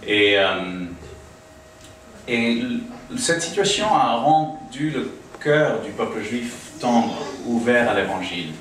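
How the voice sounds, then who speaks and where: Taking it slowly, an American man addresses a small home church gathering in a living room, his medium-pitched, fairly bright voice full of lively intonation. He's informal and hesitant, with many fillers and restarts. A distant camera picks him up through a small PA, with echo and audible noise.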